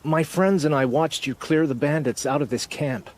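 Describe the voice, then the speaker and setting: A man's voice: a little high, normal speed, darkish tone, close to an everyday voice. A man playing a humbled tribal survivor in a video game. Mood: rueful. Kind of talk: video game cutscene acting.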